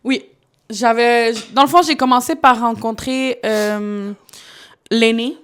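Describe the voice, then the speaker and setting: A woman's voice: a little high, fairly even intonation, slow pace, smooth. A woman guest on a live podcast, telling her story candidly and laughing often. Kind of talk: casual live podcast chat. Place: studio. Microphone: podcast microphone.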